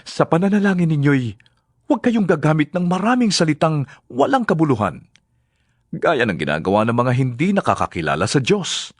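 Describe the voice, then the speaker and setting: A man with a Filipino accent playing a solemn, earnest religious teacher in a dramatized scripture reading, with measured, declamatory delivery. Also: a little high, big pitch swings, dry recording. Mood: solemn, instructive. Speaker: voice actor.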